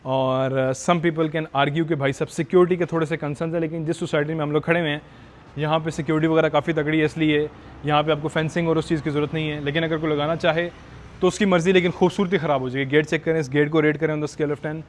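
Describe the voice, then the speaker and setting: A man with a Pakistani Urdu accent leads a walking house tour outdoors and talks straight to the viewers. His voice sits a little high for a man. Faint outdoor noise and passing traffic can be heard behind him. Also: little pitch movement, fast. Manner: chatty, code-switching into English, addresses viewers directly. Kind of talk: walkthrough house tour vlog.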